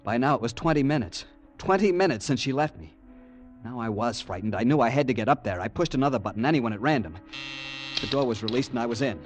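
A man's voice: mid-range voice, animated, fast, faint music behind, close to an everyday voice. An actor playing a young man narrating his growing fear in 1940s radio acting style. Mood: tense. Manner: narrates tensely, growing panicky.

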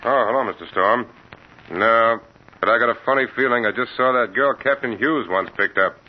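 Plain beat cop, hesitant, husky, a man doing it, old radio. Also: medium pitch, moderate pace, natural voice. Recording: dull old radio broadcast.

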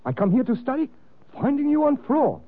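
Insistent chauffeur-servant, broken english, husky dry voice, tinny old radio drama. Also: male voice, very high voice, sing-song, fairly quick, dry recording, heavily acted. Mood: concerned. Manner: clipped broken phrasing, insistent. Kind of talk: 1940s radio acting.

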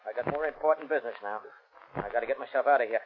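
A man's voice: medium pitch, very fast, phone-quality sound, close to an everyday voice. A man playing a hard, threatening 1930s American gangster boss in a radio crime drama, snarling slangy tough talk. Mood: hard, curt. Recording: thin, hissy old radio recording.

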